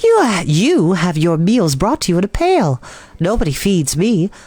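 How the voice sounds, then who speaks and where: A woman's voice: fairly low pitch, very animated, moderate pace, dark tone, slightly rough, dry recording, voice pushed up. A woman voicing a small female storybook spider, pleasant, proud and matter-of-fact, with a thin, light voice. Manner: pleasant, precise, self-assured.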